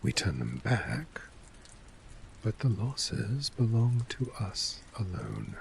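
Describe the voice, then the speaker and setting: A man playing a cynical, world-weary fort official in a soft-spoken ASMR fantasy role play, measured and sardonic, sometimes dropping toward a whisper. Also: fairly low pitch, wildly swooping pitch, vocal fry, slight background noise, full character voice. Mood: grim, wry.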